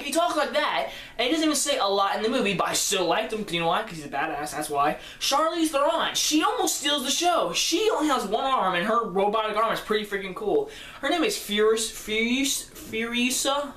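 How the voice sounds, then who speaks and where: Excited teenage boy reviewing movies. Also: sits high. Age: teenager, fifteen. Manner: enthusiastic, rambling, self-correcting. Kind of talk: casual movie review vlog. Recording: roomy echo.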